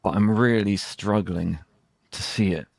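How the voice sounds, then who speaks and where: A British man, an English teacher, talking casually about current affairs in a searching, halting way with rhetorical questions. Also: on the low side, steady tone, vocal fry, no room sound, studio quality. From Britain. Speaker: English teacher and conversation host.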